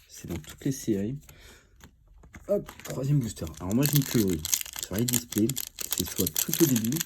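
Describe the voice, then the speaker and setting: A man's voice: on the low side, very noisy. A man with a cold and a stuffy voice, chatting casually as he opens trading card packs, thinking aloud with lots of fillers. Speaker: card-opening video host. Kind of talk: casual commentary while opening card boosters.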